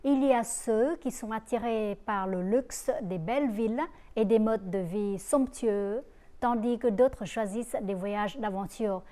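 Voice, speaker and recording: A woman presenting a news story introduction in a smooth, formal reading. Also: on the high side, warm tone.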